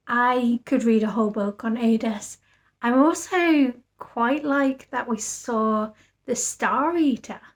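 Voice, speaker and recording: A tired woman book vlogger chatting casually after reading all night, rambling and thinking aloud. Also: a little high. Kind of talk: casual vlog chat.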